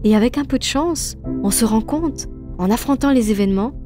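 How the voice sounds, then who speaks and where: A woman's voice: fairly high pitch, fairly quick. A woman, a voice actress, reading an inspirational scripted narration. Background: soft music.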